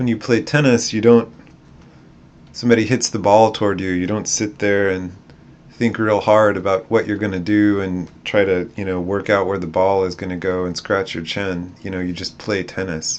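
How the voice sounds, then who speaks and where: Using an unremarkable speaking voice, a man talks at a moderate pace with a fairly low pitch and fairly even intonation. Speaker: math teacher. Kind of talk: lecture. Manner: casual, with many fillers.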